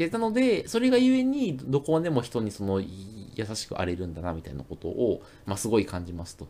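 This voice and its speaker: A man with a Kansai accent speaks at a fairly quick pace, his dark, mellow tone moving through very wide pitch swings. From Kansai, Japan. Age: 30s. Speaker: podcast co-host. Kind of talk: casual chat.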